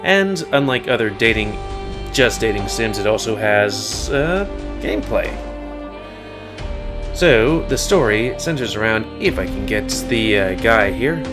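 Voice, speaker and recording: A man's voice: lowish voice, animated, unhurried. A man giving casual, rambling and crude commentary while playing a video game. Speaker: gaming YouTuber. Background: game music.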